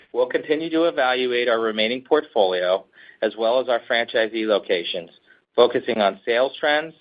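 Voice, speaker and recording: A man, a company executive, reading prepared business remarks in a measured, formal way. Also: fairly low pitch. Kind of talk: scripted earnings call remarks. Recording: muffled conference call audio.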